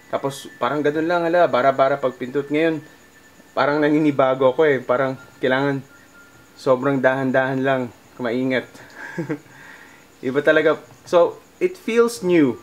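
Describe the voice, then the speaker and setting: A middle-aged Filipino man talks casually to viewers in a halting, conversational vlog style, thinking aloud as he demonstrates. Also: mid-range voice. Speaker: musician vlogger.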